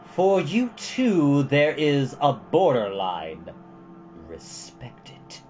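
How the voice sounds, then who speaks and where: A man voicing a solemn, fatalistic old male keeper of a magical chronicle in a storybook reading, with a deep, dark voice and portentous delivery. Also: huge pitch swings, extremely slow, highs cut off, soft background music, full character voice. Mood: warning.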